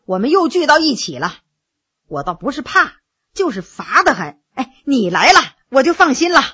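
Give me a woman voicing a weary young nobleman in a told story. He grumbles and sighs, speaking in a lowered, tired tone, peevish yet kind underneath. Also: big pitch swings, normal speed, bright, forceful tone, full character voice.

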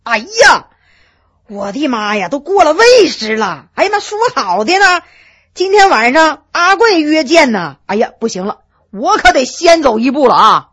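A woman playing a booming, boastful giant of a general. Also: very animated, measured pace, heavily acted. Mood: flustered. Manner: loud, laughing, blustering. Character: huge booming middle-aged Manchu general, hearty and boastful.

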